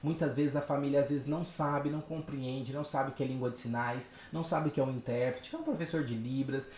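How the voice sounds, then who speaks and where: With audible room echo, a man speaks fast-ish in a fairly high, somewhat breathy voice with monotone, flat intonation. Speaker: sign language teacher. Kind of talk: online lecture. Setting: home recording. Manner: hesitant fillers.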